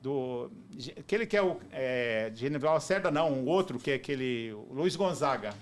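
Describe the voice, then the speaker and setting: A man's voice: mid-range voice, normal speed. A man with a Brazilian Portuguese accent chatting about podcasts in a bar. He talks with enthusiasm and often hunts for the right word. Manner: animated, enthusiastic, searches for words. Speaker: podcast guest, marketing professional. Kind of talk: casual chat.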